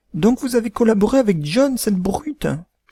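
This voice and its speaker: A man's high-pitched, put-on character voice at a fairly quick pace, lively in intonation, with a dry, close sound and no echo. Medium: read story.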